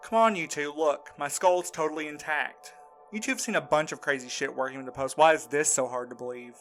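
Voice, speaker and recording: A man acting in an audio drama as a shaken, insistent man recounting a frightening ordeal in a halting, earnest way. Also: a little high, fairly bright tone, faint music behind. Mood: indignant.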